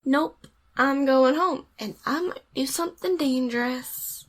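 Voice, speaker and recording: A fairly high young female voice from an audio drama, played by a woman. The character is casual and flippant, stubborn, and easily exasperated. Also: a little slow.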